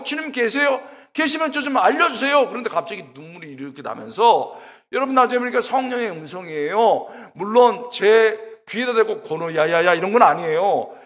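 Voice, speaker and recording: A middle-aged man preaching a revival sermon, telling his story with swings from loud, pleading calls to hushed, slow words. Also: high-pitched. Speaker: guest preacher at a revival service. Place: church sanctuary. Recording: long reverb of a church hall.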